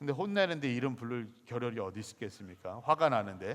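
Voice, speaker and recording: A man's fairly quick delivery with very wide pitch swings. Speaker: pastor. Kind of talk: sermon.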